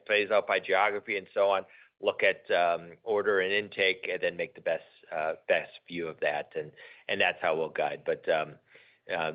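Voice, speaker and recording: A man speaking as a company executive, answering questions off the cuff in a measured way, often rephrasing himself. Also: sits low. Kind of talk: unscripted earnings call answers. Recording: dull, band-limited conference call audio.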